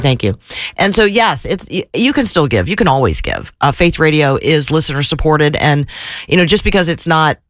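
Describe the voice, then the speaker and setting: Gravelly-voiced woman radio host. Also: fairly low pitch, dry recording. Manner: chatty and effusive, with fillers and restarts. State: slightly gravelly from allergies. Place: radio studio. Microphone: studio microphone.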